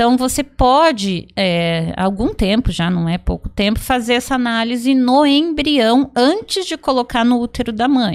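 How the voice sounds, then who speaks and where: Against a quiet background, a woman with a high voice talks at a fairly slow pace with lively intonation. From Paraná, Brazil (Londrina); Paraná, Brazil. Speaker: gynecologist, fertility doctor; guest. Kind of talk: podcast interview, explaining medical topic. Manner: hesitant with many fillers and repetitions. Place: studio. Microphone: studio mic.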